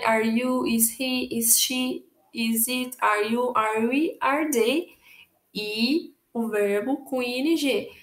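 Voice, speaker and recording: Young Brazilian woman, English teacher, high voice, patient, spells out letters, echoey room. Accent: Brazilian Portuguese. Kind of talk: recorded online grammar lesson.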